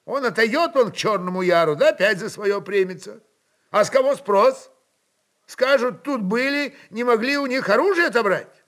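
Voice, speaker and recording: A man's voice: high-pitched, expressive, moderate pace, fairly bright tone, pitched above the performer's own voice. A man playing an anxious, exasperated voivode of old Tsarist Russia, emphatic and commanding in old folk phrasing.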